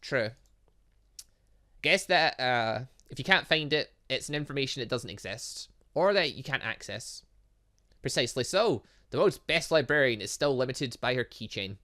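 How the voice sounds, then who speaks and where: A man's voice: medium pitch, animated, moderate pace, pushed and bright. A man voicing curious, skeptical young students from a fantasy visual novel game, conversational and questioning. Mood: matter-of-fact. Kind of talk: reading visual novel game dialogue aloud.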